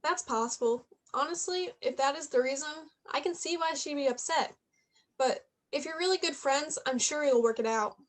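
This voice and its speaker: A woman's voice: high-pitched, normal speed, close to an everyday voice. A woman playing a playful, persistent eighteen-year-old journalism student in a play reading, chatty and probing. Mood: reassuring. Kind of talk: staged reading of a play, naturalistic dialogue.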